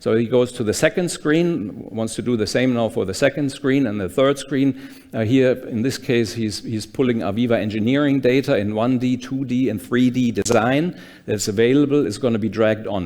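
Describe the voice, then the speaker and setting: The speaker is a man at medium pitch. His pitch variation is ordinary. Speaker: company executive presenting a software demo. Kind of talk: press conference presentation. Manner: fast; halting, many fillers.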